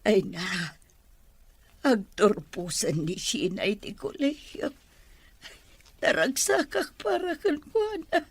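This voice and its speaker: A woman plays an emotional old Ilocano grandmother in a drama. She is husky and halting, with swooping pitch and sighing, remorseful delivery. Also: animated, no echo, heavily acted. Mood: bashful, moved. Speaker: voice actor in an audio drama. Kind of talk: sentimental radio-style drama acting.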